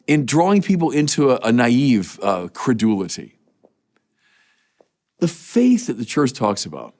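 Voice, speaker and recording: A middle-aged man, a bishop, preaching a sermon with emphatic, rhetorical repetitions. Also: mid-range voice.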